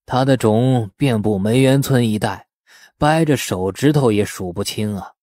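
Man voicing a slow, sneering old villager. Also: mid-range voice, a little mellow, no room sound, clean studio sound, lightly acted. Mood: gloating, scornful. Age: older. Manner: slow, drawn-out, scornful drawl. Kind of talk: audiobook character acting.

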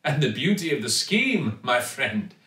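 A man voicing a cheerful, flattering male shopkeeper who talks in an effusive, overly polite way. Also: medium pitch, a little slow. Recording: echoey, distant mic.

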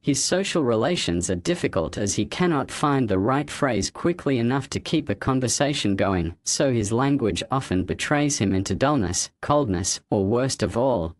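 A man reading a text aloud as a model exam answer, carefully and clearly phrased. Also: medium pitch, no echo, studio quality.

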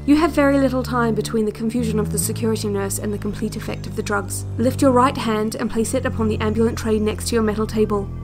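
Audio drama, female actor as secretive cassette guide to a captive: high voice, deliberate instructions over prominent music. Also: steady tone, close to an everyday voice. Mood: calm, instructive. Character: secretive woman narrating relaxation cassette, guiding a captive's escape.

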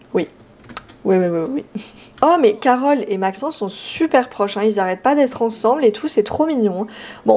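A young woman, a gaming YouTuber, gives casual Let's Play commentary on a video game in a relaxed, chatty tone. She giggles often and lets out high-pitched squeals of excitement.

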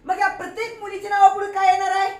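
A school teacher with a Marathi accent and a very high, level-toned voice races through a classroom grammar lesson. She playfully quizzes and teases the children using call-and-response, in an echoey room filled with kids' voices.

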